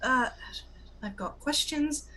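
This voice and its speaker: A woman's voice: sits high, slow pace, sharp tone. A woman playing a tabletop game, chatting and narrating what her character does. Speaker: player. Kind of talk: tabletop role-play chat.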